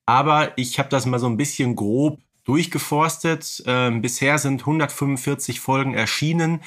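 A man speaks as a podcast co-host. His pitch is in the middle range for a male voice. He talks in a casual, humorous, conversational style. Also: fairly bright tone.

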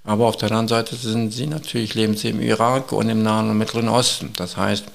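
A man answering interview questions as an expert guest, earnest and urgent, with measured phrasing and frequent hesitations. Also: fairly low pitch, flat delivery, gravelly.

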